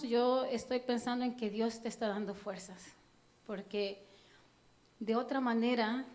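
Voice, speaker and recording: A woman from El Salvador with a Salvadoran accent, giving an earnest, halting personal testimony at church with frequent fillers. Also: fairly high pitch, a little mellow. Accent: Salvadoran Spanish.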